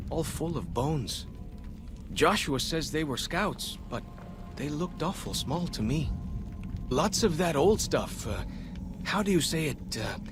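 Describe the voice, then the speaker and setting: A man playing a young, earnest tribal scout and guide in a video game, plain-spoken with simple, slightly halting phrasing. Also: a little high. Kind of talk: video game cutscene dialogue.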